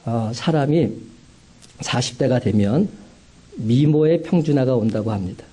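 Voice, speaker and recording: A man preaching a sermon as a pastor, with emphatic rising climaxes and slow, stressed phrases. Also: mid-range voice, expressive, mellow, breathy edge.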